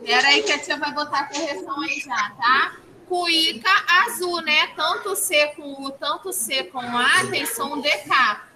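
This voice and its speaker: A woman teaching young children in an online phonics lesson, slow and patient, repeating each answer back. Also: high voice. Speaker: primary school teacher. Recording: clear background noise.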